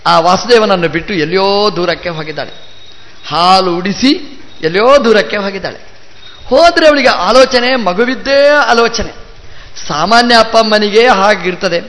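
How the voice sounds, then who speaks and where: A monk delivers a devotional discourse in a fairly high voice, telling a sacred story. He poses rhetorical questions and plays on words as he goes. The live recording carries a long, hall-like reverb. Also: fairly bright tone. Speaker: monk giving a religious discourse.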